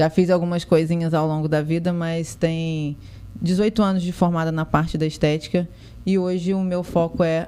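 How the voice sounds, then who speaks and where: This woman's pitch is very deep and low. Her tone is dark and mellow, with monotone, flat intonation. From interior of Rio de Janeiro state (early childhood in southern Minas Gerais). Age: 30s. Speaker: beautician. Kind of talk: podcast interview.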